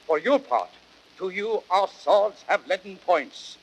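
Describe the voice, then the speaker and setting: An actor playing an earnest, noble Roman conspirator, grave and reasoning, with formal, deliberate oratory in a 1930s radio Shakespeare style. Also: male voice, sits high, expressive, slightly rough, exaggerated voice. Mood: grave, placating. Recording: noisy old 1930s radio broadcast recording.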